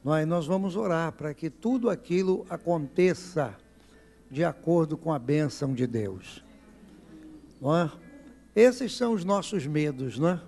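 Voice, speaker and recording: A man's voice: a little high, expressive, a little slow, a little mellow. A man preaching a sermon as pastor, with dramatic rises and frequent questions to the congregation. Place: church service.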